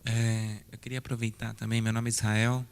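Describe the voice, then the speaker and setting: São Paulo man in the audience, gravelly and monotone, hesitant. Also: fairly low pitch, moderate pace. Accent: São Paulo Portuguese. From São Paulo periphery, Brazil. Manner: hesitant, restarts, flat delivery. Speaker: audience member asking a question. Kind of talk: question from the audience. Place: museum auditorium.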